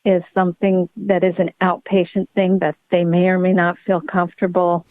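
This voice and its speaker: A woman's voice: fairly low pitch, little pitch movement, moderate pace, no echo. A middle-aged woman, a pediatric neurologist, explaining with enthusiastic emphasis in a podcast interview. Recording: tinny phone-like line, dry.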